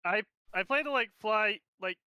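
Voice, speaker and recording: High, bright-voiced male player. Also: normal speed, clean tone, no echo. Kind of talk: casual tabletop game chat.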